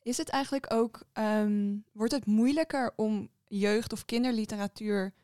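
A woman's voice: medium pitch, steady tone, measured pace, warm tone, dry recording, studio quality. A woman interviewing a guest in a casual, friendly way.

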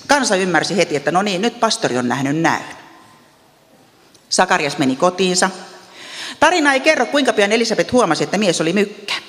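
A woman with an Ostrobothnian accent, telling Bible stories in a devotional talk with chatty asides and gentle humor. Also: mid-range voice, in a large hall. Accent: Ostrobothnian Finnish. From Ostrobothnia, Finland. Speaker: Bible teacher.

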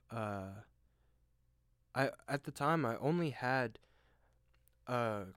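A young man hosting a solo podcast, rambling and self-deprecating with lots of fillers and restarts, with a deep voice. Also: clear, resonant tone, dry recording, clean studio sound. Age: young adult. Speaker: podcast host. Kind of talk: casual solo monologue. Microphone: desk microphone at home.

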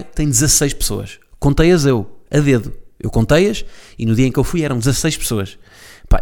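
Portuguese guy talking alone at home, jokey tangents, keeps correcting himself. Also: mid-range voice. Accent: European Portuguese. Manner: rambling, joking, self-correcting asides. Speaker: podcast host. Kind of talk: casual solo podcast monologue.

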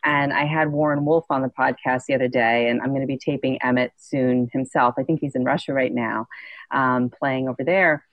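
A woman's voice: a bass voice, fairly even intonation, moderate pace, no echo, highs cut off. A woman hosting a podcast interview, talking in a rambling way with lots of fillers and restarts. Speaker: podcast host. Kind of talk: casual interview talk.

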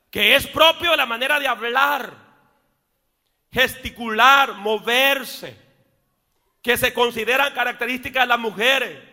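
High-voiced pastor, church echo. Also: male voice. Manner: preaching with shouted peaks and joking asides. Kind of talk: sermon. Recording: long reverb of a church hall.

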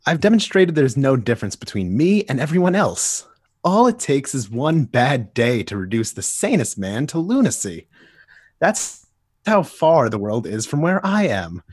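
A man's voice: mid-range voice, very animated, moderate pace, darkish tone, husky, no echo, studio quality. A man voicing a mad clown villain from a comic book, gloating and philosophical in a theatrical, taunting monologue. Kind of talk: dramatic comic book reading.

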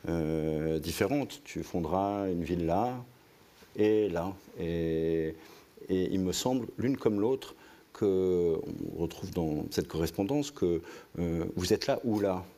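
Host, very deep mellow male voice, halting delivery. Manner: halting, searching for words, many fillers. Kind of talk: interview conversation.

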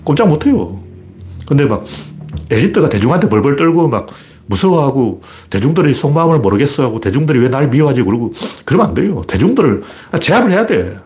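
A man's voice: medium pitch, big pitch swings, quick pace, a little mellow. A man hosting his own commentary broadcast, talking in a blunt, colloquial and argumentative way with many rhetorical questions. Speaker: political commentator.

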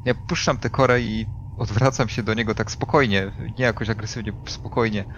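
A man playing a tabletop role-playing game, haltingly improvising his character's words and actions. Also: on the low side, steady tone, fairly bright tone, dull audio. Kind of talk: improvised role-play, describing own actions. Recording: clearly noisy background.

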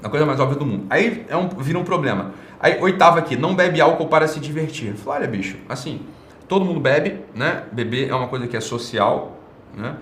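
A man's voice: on the high side, lively intonation, brisk, fairly bright tone, slight background noise. A man hosting an online show, giving a blunt, casual opinion monologue full of slang, swearing and rhetorical tag questions. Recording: roomy echo.

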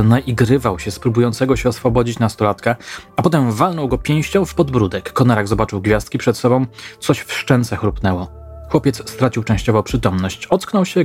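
Man reading a slow, measured crime story. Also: mid-range voice. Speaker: narrator. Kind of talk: scripted true-crime narration.

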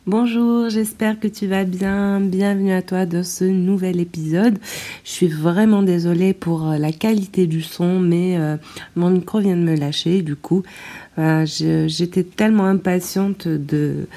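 A woman with a low, mellow voice hosts a casual solo podcast, speaking straight to her listener. She hesitates often and fills her pauses. The sound is low quality, captured on a tablet's built-in mic after her microphone broke. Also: steady tone, faint music behind. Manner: hesitant, many filler sounds, addresses listener directly. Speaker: podcast host.

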